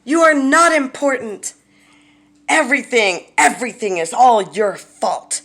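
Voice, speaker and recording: A woman's voice: on the high side, a little slow, fairly bright tone, pitched above the performer's own voice. A woman voicing a cruel, furious abuser who screams harsh insults at a child, punching each phrase. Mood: furious, contemptuous.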